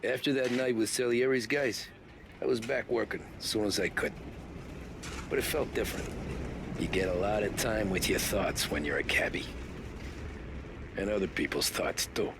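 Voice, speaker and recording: An actor playing a weary, plain-spoken young American cab driver in a cinematic video game. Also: male voice, fairly low pitch, moderate pace, pauses often, background noise, natural voice. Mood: reflective. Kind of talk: scripted game dialogue and reflective narration.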